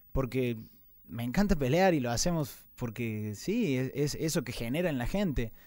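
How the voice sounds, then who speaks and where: In an unremarkable speaking voice, a man of medium pitch talks at a moderate pace with lively intonation. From Argentina. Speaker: mixed martial arts fighter. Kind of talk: casual interview. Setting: studio.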